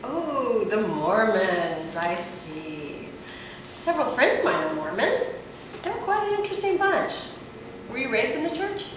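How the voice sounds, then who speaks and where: A woman's voice: on the high side, big pitch swings, a little slow. A woman playing a brash, sardonic adult-film producer and agent in a script read aloud, with a wry, teasing, theatrical manner. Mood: amused, needling. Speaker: actor at a table read. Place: echoey room at a table read. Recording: distant mic in echoey, noisy room.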